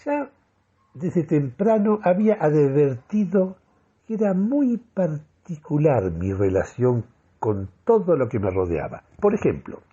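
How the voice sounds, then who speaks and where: An actor playing a euphoric, deluded man who solemnly delivers a grandiloquent radio monologue with deliberate, dramatic pauses. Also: a little high, sing-song, mellow, breathy edge, muffled recording, exaggerated voice. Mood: solemn, exalted. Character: euphoric, deluded man convinced of mystical energy communication. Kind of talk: theatrical first-person radio monologue.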